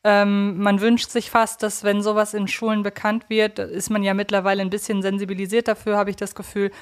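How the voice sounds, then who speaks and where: Female podcast co-host, mid-range voice, thoughtful conversational analysis, pausing to find the right wording. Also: mid-range voice, level tone. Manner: reflective, searching for words.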